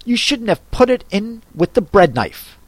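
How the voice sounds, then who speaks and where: A man voicing a fussy, contrary hatter who grumbles and talks down to others in quick bursts. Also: high voice, big pitch swings, dry recording, pitched above the performer's own voice, heavily acted. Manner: grumbling, contemptuous, quick talker.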